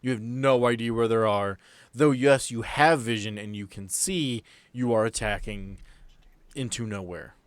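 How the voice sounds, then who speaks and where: A man's voice: mid-range voice, measured pace, smooth. A man narrating a tabletop roleplaying game as game master, explaining things in a conversational way. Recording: music behind. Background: background music.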